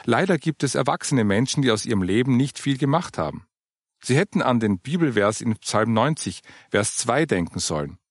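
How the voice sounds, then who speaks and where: A man narrating a Christian story in a measured, expressive reading. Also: medium pitch, dry recording, clean studio sound.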